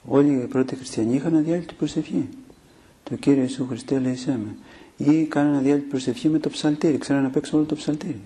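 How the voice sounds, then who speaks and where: A man preaching a sermon, teaching in a steady way with filler pauses and rhetorical questions. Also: on the high side, slightly rough.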